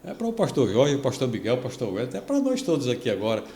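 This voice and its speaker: A Brazilian man, a pastor, telling a story on a devotional podcast, lively and acting out the people he quotes. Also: mid-range voice, racing, reverberant. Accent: Brazilian Portuguese. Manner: animated storytelling, acts out quoted speech.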